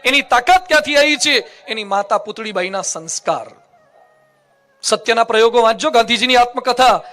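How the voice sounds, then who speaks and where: Male preacher, very high and bright voice, playful teasing discourse to a live hall audience. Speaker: monk preacher. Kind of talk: humorous Gujarati religious discourse.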